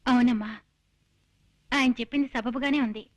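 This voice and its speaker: Actress playing a firm devoted daughter. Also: female voice, fairly high pitch, steady tone, moderate pace, dull audio, background noise, lightly acted. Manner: firm, earnest. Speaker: actress in a film comedy scene.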